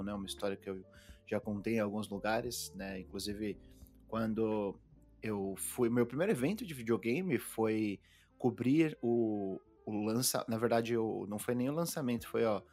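A man, co-hosting a podcast from home and telling stories in a relaxed way, full of fillers. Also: fairly low pitch. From Brazil. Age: 20s. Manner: relaxed storytelling with many fillers. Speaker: podcast co-host. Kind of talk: casual podcast chat.

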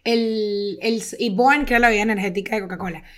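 A young woman with a Venezuelan accent, co-hosting a podcast in a casual, animated, slang-heavy chat full of stories and laughs. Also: medium pitch, fast. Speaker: podcast co-host.

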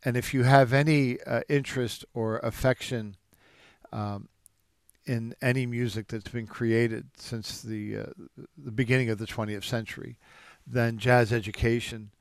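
Casting: male jazz teacher, mid-pitched, thoughtful anecdotes, halting restarts. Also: fairly even intonation, creaky, no room sound, studio quality. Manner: reflective storyteller with frequent restarts. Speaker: jazz drummer and music educator. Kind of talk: interview answers.

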